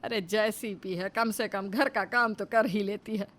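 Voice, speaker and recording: A woman's voice: medium pitch, steady tone, unhurried, fairly bright tone, natural voice. A woman voicing a grumbling, dramatic elderly mother-in-law in a cartoon story, scolding with theatrical sighs. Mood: relieved.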